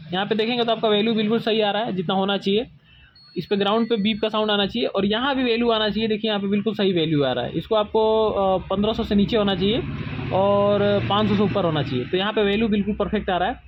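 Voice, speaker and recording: A man's voice: high voice, fast talker, dull audio. A man from India explaining a phone repair step by step at his workbench, often pointing out what to look at carefully. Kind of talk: hands-on repair tutorial.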